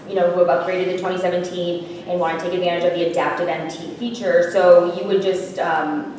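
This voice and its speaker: A woman presenting software at a conference, casual and hesitant, with many fillers and restarts. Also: on the low side, little pitch movement, fairly quick. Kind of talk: conference presentation with audience questions. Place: conference room. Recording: echoey room, mic far off, faint noise.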